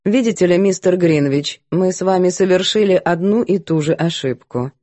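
A woman voicing a composed, firm governess who speaks calmly and evenly, a little lower. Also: dry recording, close to an everyday voice. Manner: calm, measured, composed. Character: calm, firm older English governess.

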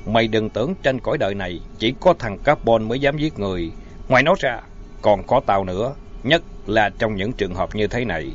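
A man voicing a big, furious male priest who growls slow, measured threats. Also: lowish voice, lively intonation, natural voice. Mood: menacing. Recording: dull lo-fi audio, faint music.

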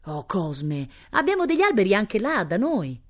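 A woman's voice: mid-range voice, wildly swooping pitch, moderate pace, voice pushed up. A woman voicing an impulsive, lovestruck young noble girl who exclaims eagerly, in a storybook reading. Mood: anxious, hopeful.

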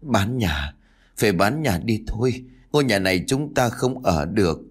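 A man's voice: on the low side, big pitch swings, moderate pace, slightly rough. A man voicing a weak, shaken old village grandfather who murmurs feebly but insists. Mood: grim. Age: older.

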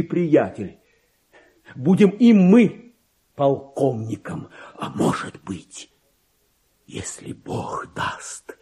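Pompous petty clerk, wildly swooping pitch. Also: male voice, warm tone, slightly rough, exaggerated voice. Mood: boastful. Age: middle-aged. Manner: pompous, exclamatory, muttering to himself. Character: petty forty-two-year-old male clerk, vain, resentful, self-important. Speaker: actor. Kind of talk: theatrical radio play monologue, diary read aloud.

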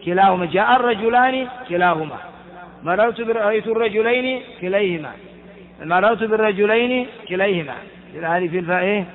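A man's voice: high-pitched, brisk. A man teaching a classical Arabic grammar lesson, explaining step by step and asking and answering his own questions. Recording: tinny phone-like sound with long reverb.

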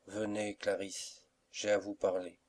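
A man reading the lines of a gentle, mysterious young suitor in an audiobook, in a soft, respectful, reassuring manner. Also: fairly low pitch, level tone, unhurried.

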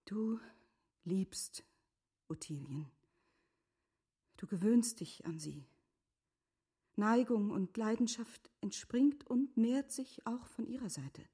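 Here the actress's fairly high voice as the composed, earnest middle-aged wife turns hushed and urgent, heavily acted and slow, with frequent pauses. She keeps the formal, breathy, often hushed delivery of this literary radio drama.

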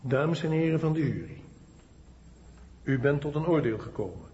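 An actor playing a formal court official solemnly addressing a jury in a radio documentary scene. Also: male voice, fairly high pitch, animated, normal speed, lightly acted. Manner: solemn, declaiming. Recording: dull, long reverb, faint noise.

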